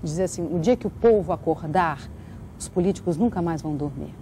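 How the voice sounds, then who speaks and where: A woman's voice: on the low side, brisk, mellow, slight background noise. A woman speaking earnestly as a guest, in the manner of someone who performs. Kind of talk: earnest interview talk and poetic recitation.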